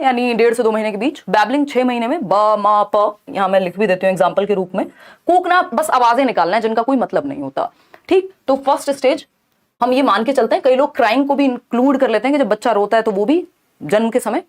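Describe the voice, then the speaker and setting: A young adult woman teacher giving an exam-prep lecture, explaining step by step and often checking in with her students. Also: high voice.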